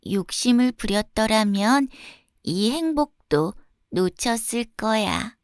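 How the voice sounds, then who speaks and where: A woman voicing a small, greedy, childlike stray puppy in a storybook, with slow, exaggerated delivery. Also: fairly high pitch, lively intonation, no echo, clean studio sound. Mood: content.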